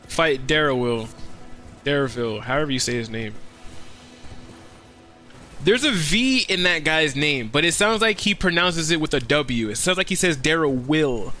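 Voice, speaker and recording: A man's voice: a little high, sharp tone. A man streaming a video game, chatting casually in an easygoing, rambling way. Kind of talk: casual livestream commentary.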